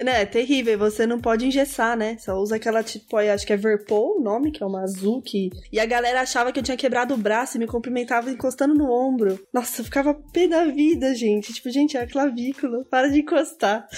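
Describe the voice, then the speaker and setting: Hardly pausing, a woman talks at a very fast pace with a high pitch and ordinary pitch variation. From Brazil, São Paulo. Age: 20s. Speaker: front-end developer. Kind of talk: casual chat.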